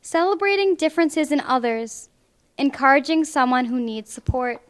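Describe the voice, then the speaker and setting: Young woman, really high voice, reading a kids book out loud, clear careful phrasing. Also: expressive, normal speed. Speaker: volunteer storybook reader. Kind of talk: reading a picture book aloud to children. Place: public library, indoors.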